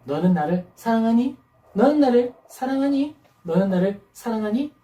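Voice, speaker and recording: A woman pastor voicing Jesus as a gentle man coaxing his disciples to come and eat, speaking softly and tenderly. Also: a little high, animated, moderate pace, lightly acted. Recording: roomy hall, mic at a distance.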